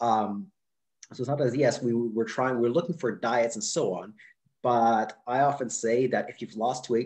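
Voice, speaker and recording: A man with a Canadian accent, ordinary pitch variation, and a quiet background. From Ontario, Canada. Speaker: personal trainer and author. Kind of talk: interview. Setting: video call. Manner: fast. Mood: friendly, smiling. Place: home room. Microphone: video call.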